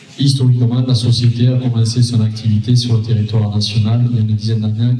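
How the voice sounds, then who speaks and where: Amid noticeable background noise and audible room echo, a man with a southern French accent speaks at a moderate pace and medium pitch with monotone, flat intonation. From southwestern France, Bordeaux area. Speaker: energy company sales manager. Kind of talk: public information presentation. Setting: town hall meeting room with audience.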